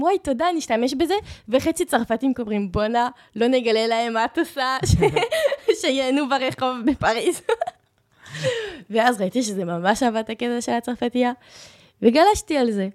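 A young woman with a French accent, chatting and telling stories casually as an interview guest. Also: fairly high pitch. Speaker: content creator, interview guest. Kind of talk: casual conversational storytelling.

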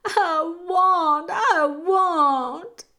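A woman's voice: high voice, expressive, slow pace, pitched above the performer's own voice. A woman voicing a simple, needy, wounded little servant girl in a storybook, with plaintive, uneducated folksy speech. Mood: wailing, tearful.

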